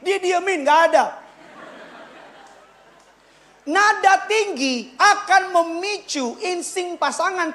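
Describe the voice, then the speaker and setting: A male pastor preaching a sermon in a church, repeating his points with emphasis and swinging between loud punches and quiet asides. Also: extremely high pitch. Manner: emphatic, repeats key lines for the congregation.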